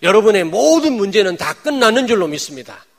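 A pastor delivers a sermon in a high-pitched voice with big swings in pitch, moving fairly quickly and with some vocal fry. He alternates between loud proclamations and quiet, conversational asides, repeatedly posing rhetorical questions to the congregation. A crowd can be heard in the background.

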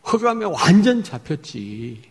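A male pastor preaching a sermon emphatically, swinging between loud points and hushed asides. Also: high voice, big pitch swings, unhurried, creaky, slightly rough. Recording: echoey hall.

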